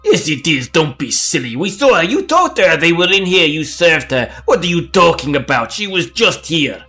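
Belligerent village drunk, acted by a male game master, husky and loud, quarrelsome, music behind. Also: on the high side, measured pace, voice pushed up. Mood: insistent.

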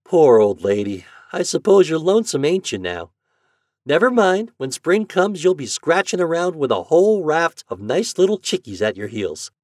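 A man voicing an eager, excitable farm boy with rustic, folksy speech in a storybook reading. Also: a little high, moderate pace, no echo, studio quality, pitched above the performer's own voice. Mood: tender, cheerful.

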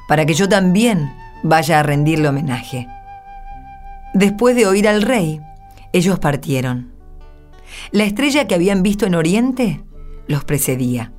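A woman narrating scripture in a scripted, solemn style, measured and reverent, phrase by phrase. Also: fairly low pitch. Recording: soft music behind the voice.

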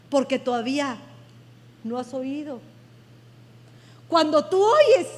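Female pastor, very high voice, emphatic sermon style, long reverb of a church hall. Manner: effusive, emphatic preaching.

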